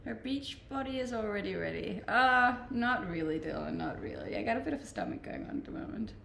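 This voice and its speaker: Going through her stream's comments, a relaxed Danish woman in her twenties chats briskly and laughs frequently. Her mid-range voice is creaky and accented, and the audio has a roomy quality with slight background noise.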